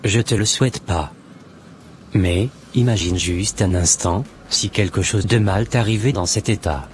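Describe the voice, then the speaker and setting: A man's voice: on the low side, measured pace, slight background noise, lightly acted. A man playing an earnest, solemn born-again Christian with a preachy, formal manner in an amateur cartoon. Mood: solemn, admonishing.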